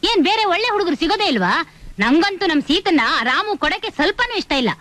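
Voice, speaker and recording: A woman's voice: very high-pitched, big pitch swings, fast talker, fairly bright tone, slight background noise, heavily acted. An actress playing a middle-aged village mother who scolds and talks indignantly.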